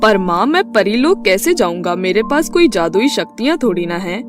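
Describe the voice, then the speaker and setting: A woman playing a poor, humble young cobbler, polite and dutiful, in an animated fairy tale. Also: medium pitch, moderate pace, over music, lightly acted. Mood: uncertain, respectful. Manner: polite, modest.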